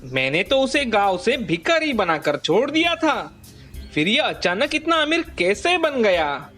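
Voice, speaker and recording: A man acts out a grasping cartoon villager with a high, swooping voice, always scheming and impatient to get rich. His lines jump up and down in pitch as he plots. Faint music plays under him. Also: unhurried, full character voice. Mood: suspicious. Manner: excitable, impatient, hissing schemer. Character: greedy scheming adult male villager. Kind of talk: cartoon voice acting.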